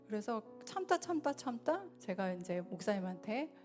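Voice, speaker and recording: Woman, preacher, sermon, earnest, swings between loud and soft, faint music behind. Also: mid-range voice, very animated, normal speed. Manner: earnest, rises and falls in loudness. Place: church sanctuary.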